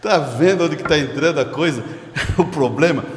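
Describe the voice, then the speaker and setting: A male pastor preaching a sermon, animated and chuckling, addressing listeners directly. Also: a little high, normal speed. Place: church sanctuary. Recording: echoey church hall reverb.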